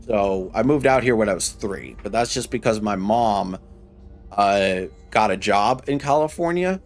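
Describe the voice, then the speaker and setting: This Michigan-born streamer in his thirties has a voice on the low side, animated yet unhurried, with faint music behind him. He casually talks to viewers while gaming, rambling, often restarting, and reading out and replying to chat.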